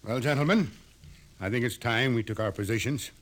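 An actor playing a stern, impatient observatory director, brusque and formal, in a 1950s radio drama. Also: male voice, medium pitch, fairly quick, a bit bright, close to an everyday voice.

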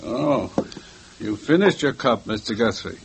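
A man's voice: mid-range voice, animated, measured pace, vocal fry. An actor playing a fussy, polite elderly male jeweler in a 1950s radio drama, flustered and eager to please. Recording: old radio recording with faint hiss.

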